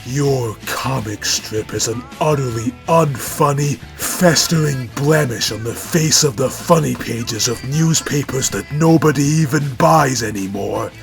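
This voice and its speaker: A man's voice: mid-range voice, a little slow, gravelly, few pauses, soft background music, pitched above the performer's own voice. A man voicing a macho, pompous, menacing cartoon cat in a storybook narration, with a bombastic and wordy manner. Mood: furious, ranting. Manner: bombastic, verbose, threatening.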